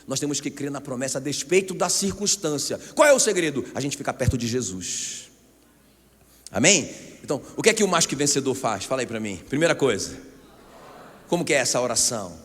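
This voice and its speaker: A Brazilian man preaching a sermon as pastor, animated and often calling out to the congregation. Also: medium pitch, fairly quick, breathy edge. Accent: Brazilian Portuguese. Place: church hall. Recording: long church hall reverb.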